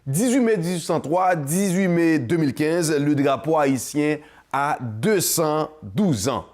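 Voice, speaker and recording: Haitian-accented male host, passionate, rather high voice, mixes in Creole. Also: expressive, takes it slowly, a little mellow. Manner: passionate, switches between French and Creole, sings. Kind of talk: casual monologue to camera.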